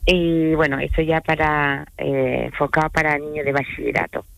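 A woman's voice: sits low, fairly even intonation, normal speed, vocal fry, a bit bright, no echo, low-quality recording. A middle-aged woman, a native French speaker, talking casually as a guest on a radio interview about her guided tours, often tagging sentences with "vale?". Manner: chatty, frequent "¿vale?" tags and fillers. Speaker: tour guide and company manager.

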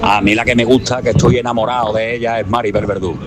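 A man's voice: medium pitch, fairly even intonation, fast. A man calling into a radio show, gushing and affectionate. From Spain. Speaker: caller. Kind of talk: radio call-in.

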